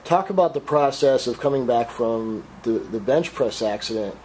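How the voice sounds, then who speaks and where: A man with a raspy voice from a cold, interviewing an athlete as a sports reporter with direct questions. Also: mid-range voice, lively intonation, moderate pace, a little mellow, slight background noise, poor audio.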